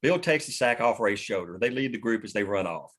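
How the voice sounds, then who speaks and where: Casting: male script narrator, fairly low voice, reading scene headings and action. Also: expressive, fairly quick, a bit bright. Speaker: narrator reading stage directions. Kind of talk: scripted narration at a table read.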